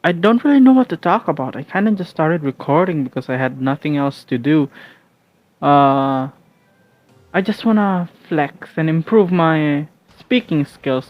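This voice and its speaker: A man's voice: fairly high pitch, no room sound, dull audio. A young man from the Philippines whose first language is Filipino, rambling casually and hesitantly at home with many restarts and fillers. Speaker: vlogger.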